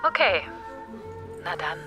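Actress as playful girlfriend on a call, slow easy talk, radio play, loud music behind. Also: dull audio, natural voice. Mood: playful, familiar. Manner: casual, familiar. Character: playful, familiar female best friend on a call. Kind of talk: naturalistic radio drama dialogue.

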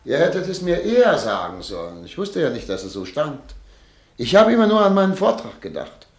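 A man's voice: fairly high pitch, huge pitch swings, fairly quick. A man playing an anguished exiled doctor and family man in a German radio drama, speaking earnestly and insistently. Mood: bitter resignation.

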